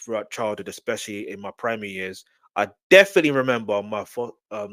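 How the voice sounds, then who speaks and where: A man with a London accent talks at a very fast pace and a fairly low pitch. The sound is dry and close with no echo, in a very clean recording with a silent background. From South London. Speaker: podcast host. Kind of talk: casual monologue.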